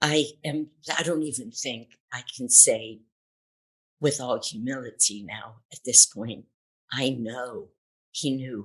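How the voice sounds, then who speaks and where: Speaking at a very slow pace with long, frequent pauses, a woman with a very deep, low pitch shows big swings in loudness. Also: ordinary pitch variation. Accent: American. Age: 70s. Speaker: physician and spiritual director. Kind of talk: interview.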